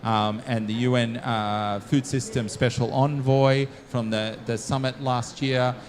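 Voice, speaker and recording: A man giving casual spoken remarks as host of a launch event, halting with many fillers and restarts. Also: mid-range voice, steady tone. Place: conference room.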